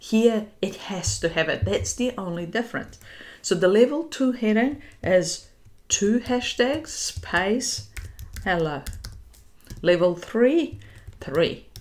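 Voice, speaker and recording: A woman's medium-pitched voice with vocal fry, very wide pitch swings, and long, frequent pauses at a very slow pace. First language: not English. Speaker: surgeon and software tutorial creator. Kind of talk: tutorial. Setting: screen recording. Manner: explanatory, with occasional hesitations. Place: home room.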